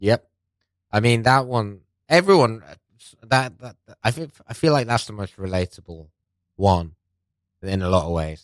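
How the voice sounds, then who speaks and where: A man with a London accent speaks at a moderate pace, his pitch medium and his intonation lively, with big swings in loudness. Long pauses come often, and the recording is very clean with a silent background. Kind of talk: casual interview chat. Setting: radio studio.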